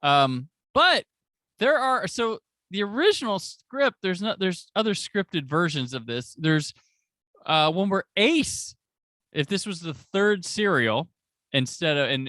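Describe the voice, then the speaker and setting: A man's voice: on the high side, lively intonation, measured pace, pushed and bright, dry recording, clean studio sound. A man hosting a podcast in casual chat, recapping an episode with enthusiasm and jokey asides into a podcast microphone. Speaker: podcast host.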